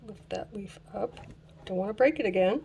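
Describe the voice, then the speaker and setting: A woman hosting a casual craft tutorial who is losing her voice, chatting slowly while she works and laughing at her own mishaps. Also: medium pitch, gravelly, mellow, a little hiss or hum. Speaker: craft channel host.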